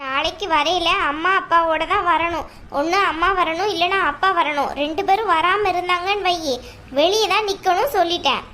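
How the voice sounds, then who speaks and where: A woman's voice: very high-pitched, a little fast, pushed and bright, slight background noise. A woman voicing a strict female schoolteacher who scolds her pupils in firm, clipped sentences. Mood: stern. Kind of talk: cartoon voice acting.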